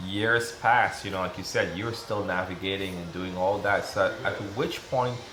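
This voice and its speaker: A man with a Caribbean accent, with audible room echo and noticeable background noise. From Guyana. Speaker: interviewer. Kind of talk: interview. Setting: live press event.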